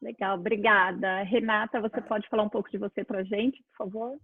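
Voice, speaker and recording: A woman moderating a live talk, brisk and polite. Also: mid-range voice, steady tone, breathy edge, dry recording. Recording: tinny dry phone-like line.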